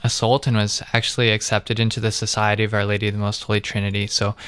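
A man's voice: lowish voice, level tone, fast, fairly bright tone, clean tone, no echo, clean studio sound. A young man in his twenties from the United States, a guest introducing himself hesitantly with many fillers. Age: 20s. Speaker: guest, seminary applicant.

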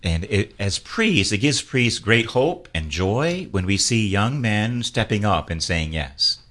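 A man's voice: lowish voice, sing-song, unhurried, a bit bright. A man, a priest, hosting a radio talk show, earnestly exhorting and leading call-and-response prayer.

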